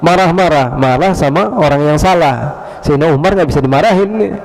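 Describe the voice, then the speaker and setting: Gravelly-voiced male preacher telling stories. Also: a little high, moderate pace, darkish tone, rough recording. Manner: storytelling with rhetorical questions. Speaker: Islamic preacher. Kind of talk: sermon.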